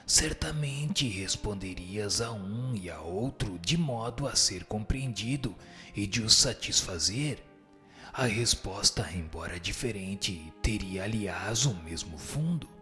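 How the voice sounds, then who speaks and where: A man with a Brazilian accent playing a wise, solemn spirit who instructs patiently in a scripted radio drama, in a measured way. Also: lowish voice, lively intonation, bright, forceful tone, faint music behind, full character voice. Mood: solemn, instructive.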